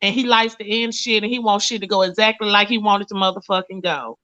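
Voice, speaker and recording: A woman's voice: mid-range voice, quick pace, a bit bright. A blunt, profane woman, hosting a casual talk show. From Mississippi, US. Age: late 30s. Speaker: host. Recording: lo-fi stream audio.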